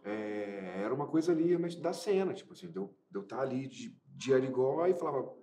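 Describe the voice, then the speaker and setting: A man from Minas Gerais, an actor answering interview questions in a relaxed, hesitant way with many restarts. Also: medium pitch, brisk, echoey room, slight background noise. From Minas Gerais, Brazil. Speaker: actor interviewed about his film.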